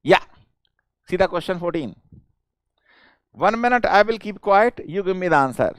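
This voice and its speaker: A man's voice: high voice, animated, normal speed, clear, resonant tone, no echo, studio quality. A man with a South Indian accent teaching a live online class, informal and coaxing, often repeating his questions and phrases insistently. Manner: chuckling, informal, coaxing students. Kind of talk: live interactive exam-prep lecture.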